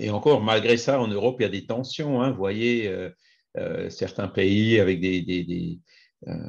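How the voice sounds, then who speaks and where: A man speaks at a fairly slow pace with fairly low pitch and ordinary pitch variation over a quiet background. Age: 60s. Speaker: spiritist study group leader. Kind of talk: study group discussion. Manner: halting.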